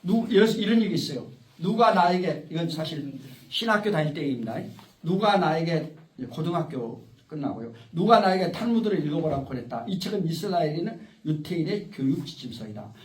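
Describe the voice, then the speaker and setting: A man's voice: fairly high pitch, expressive, fairly quick, a little mellow. A man giving an informal, rambling lecture to a small group, often interrupted by the audience. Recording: echoey room, far from the mic.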